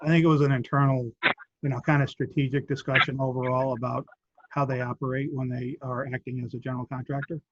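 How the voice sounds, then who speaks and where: A man giving project updates in a committee meeting, losing his voice and often clearing his throat, speaking haltingly with many ums and restarts. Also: medium pitch, little pitch movement, highs cut off, heavy background noise. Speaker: land bank staff member giving project updates. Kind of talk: meeting discussion.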